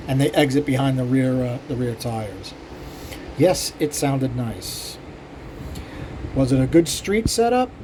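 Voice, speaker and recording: A man's voice: medium pitch, noisy background. An older man, a cylinder head porter, casually talking shop to his viewers in a rambling, self-deprecating way with many fillers. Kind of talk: casual shop talk to camera.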